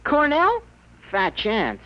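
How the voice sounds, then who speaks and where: A woman's voice: on the high side, wildly swooping pitch, slow, fairly bright tone, full character voice, rough recording. A woman playing a brash, cheeky young teenage boy, slangy and exuberant, in a 1950s radio drama. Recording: vintage 1950s radio recording.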